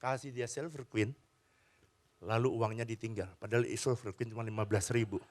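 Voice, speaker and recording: A man's voice: fairly low pitch, a little fast. A man preaching a sermon as pastor, telling stories and chatting with the congregation. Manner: animated storytelling, chats with the congregation. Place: church.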